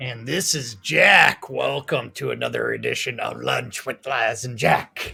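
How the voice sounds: A man's raspy, put-on character voice at a medium pitch, fairly slow yet with hardly any pauses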